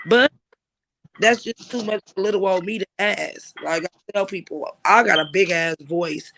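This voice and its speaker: High-voiced man ranting on a livestream. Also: normal speed, gravelly, bright, forceful tone, slight background noise, rough recording. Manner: emphatic, profane, repeats "like I said". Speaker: livestream host. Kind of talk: casual livestream talk.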